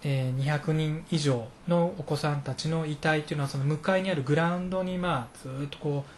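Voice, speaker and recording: A man's voice: a little high, fairly even intonation, slight background noise. A man recounting his field reporting in conversation, hesitant and full of fillers and restarts. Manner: halting, many fillers and restarts. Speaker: guest reporter.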